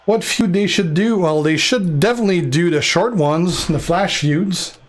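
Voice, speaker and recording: Young French Canadian streamer, slightly high voice, loose and rambling, faint hiss in the background. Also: male voice, moderate pace. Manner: relaxed, rambling with fillers and restarts. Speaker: game streamer answering chat. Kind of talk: casual live-stream chat.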